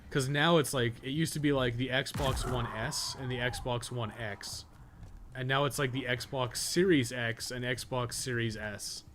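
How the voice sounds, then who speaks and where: A man's voice: medium pitch, steady tone, a little slow, fairly bright tone. Guy streaming a game, mid voice, rambly n sweary, wry, bit of game noise behind him. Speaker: live streamer, podcast co-host. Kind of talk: casual game stream chatter.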